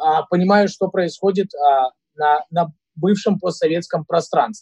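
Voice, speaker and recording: A man's high voice at a moderate pace, with ordinary pitch variation and a dry, close sound with no echo. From Belarus and southern Russia (Minsk, Sochi). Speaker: real estate broker. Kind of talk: interview. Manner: halting, many fillers.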